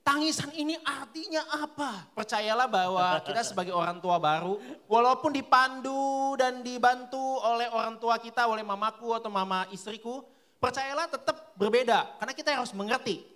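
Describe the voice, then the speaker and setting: A young man preaching a sermon, lively and colloquial, asking his listeners question after question. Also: extremely high pitch, normal speed.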